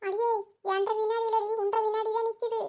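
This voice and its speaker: A woman's voice: extremely high pitch, flat delivery, fairly quick, dark tone. A woman voicing a fretful young village wife, in a cartoon. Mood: frightened. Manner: anxious, exclaims often.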